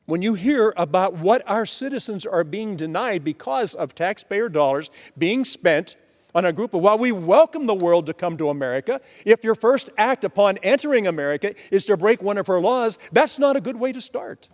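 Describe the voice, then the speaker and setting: High-voiced man giving a floor speech. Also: expressive, moderate pace, a little mellow. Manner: earnest and insistent, often quoting constituents. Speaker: congressman. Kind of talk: floor speech in a legislative debate. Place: large legislative chamber.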